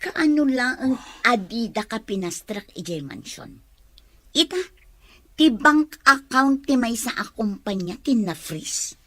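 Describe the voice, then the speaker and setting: A woman's voice: fairly high pitch, very animated, unhurried, bright, forceful tone, dry recording, heavily acted. A woman playing an angry, accusing company colleague in an Ilocano audio drama.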